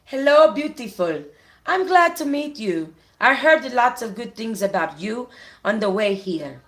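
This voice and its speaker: A woman voicing a warm, small Hispanic mother greeting family in a story read aloud. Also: on the high side, animated, a little slow.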